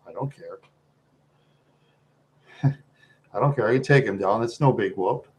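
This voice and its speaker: A man with an American accent chatting casually to viewers as a livestream host, rambling along in a talkative, halting way. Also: mid-range voice.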